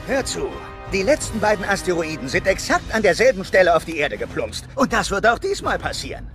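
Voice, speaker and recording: An actor playing a wild, boastful one-eyed weasel adventurer in an audio drama, talking theatrically and excitably. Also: male voice, high voice, fairly quick, music in the background. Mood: scheming.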